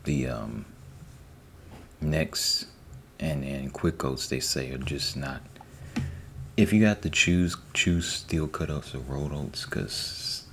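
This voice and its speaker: A man giving a soft-spoken ASMR ramble, unhurried and repetitive, sometimes slipping into a whisper. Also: rumbling low, gravelly, slight background noise. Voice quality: soft, partly whispered delivery. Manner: unhurried, rambling, repeats himself. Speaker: ASMR host.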